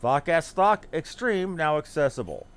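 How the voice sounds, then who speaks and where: Lively, higher-pitched man streaming a game. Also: moderate pace, smooth. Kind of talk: casual live gaming commentary.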